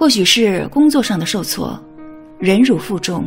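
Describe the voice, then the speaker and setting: A woman with a fairly high pitch speaks at a fairly slow pace in a gentle, calm tone, her pitch swinging very widely over music in the background. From China. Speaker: Chinese teacher and radio-style narrator. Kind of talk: soothing late-night radio reading. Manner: soft, gentle, calm.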